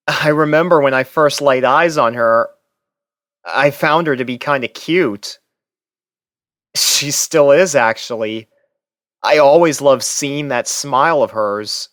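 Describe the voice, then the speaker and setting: Guy reading fanfic in first person, kinda high voice, slow n expressive, dry recording. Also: no echo. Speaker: narrator. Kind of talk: first-person dramatic fan fiction reading.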